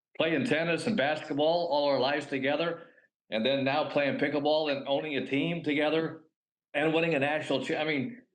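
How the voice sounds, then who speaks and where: Audible room echo carries a man's fairly high-pitched voice. He talks at a fairly quick pace. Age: 70s. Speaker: pickleball team owner. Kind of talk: casual interview chat. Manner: animated, many fillers and restarts.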